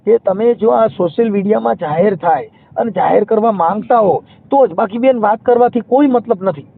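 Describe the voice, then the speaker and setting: A man's voice: high-pitched, moderate pace, vocal fry. A man talking as a social worker taking a call, in a phone conversation. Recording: narrow, muffled phone-call line.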